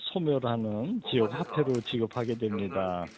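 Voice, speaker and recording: Medium-pitched male voice with ordinary pitch variation. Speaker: city mayor. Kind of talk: interview. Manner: hesitant, many filler sounds.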